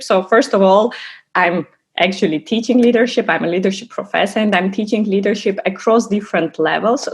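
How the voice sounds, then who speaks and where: Husky and mid-range, the voice belongs to a woman in her thirties raised in Russia after being born in Armenia. Teaching as an assistant professor online, she carefully lays out a course overview, frequently restarting her sentences.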